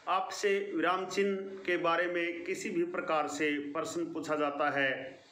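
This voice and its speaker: A male teacher gives a grammar lesson to children with a fairly high, bright voice. He speaks slowly and deliberately and leans on key words. The room around him is echoey. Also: little pitch movement. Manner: slow, deliberate explaining with stressed key words. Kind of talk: online video lesson for schoolchildren.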